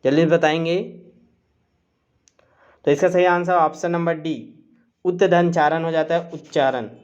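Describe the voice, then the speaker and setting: A man's voice: on the high side, fairly even intonation, measured pace, a little mellow, clear, resonant tone, muffled recording. A man teaching a live online exam-prep quiz class, reading out questions and options and coaxing students with "theek hai". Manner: coaxing, repeats "chaliega" and "theek hai", reads options aloud.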